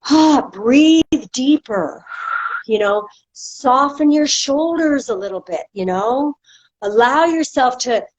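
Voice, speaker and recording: A woman's voice: high voice, animated, slow. Chatty woman with dull lo-fi sound. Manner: flowing, many fillers and restarts. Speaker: guest, movement and dance instructor. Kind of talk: casual podcast chat. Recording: dull lo-fi audio.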